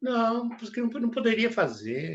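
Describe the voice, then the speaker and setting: Very slow, lively-intoned speech from a man with a high pitch. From Brazil. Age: 70s. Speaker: actor. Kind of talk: interview.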